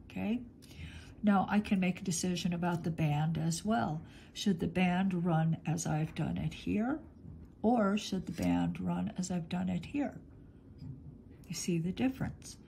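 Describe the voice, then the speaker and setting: Filmed from above with only her hands in view, this middle-aged woman gives a relaxed polymer clay demonstration, talking slowly as she thinks things through. She sounds congested and sniffly, her lowish voice dark with vocal fry, and there's a faint hiss or hum.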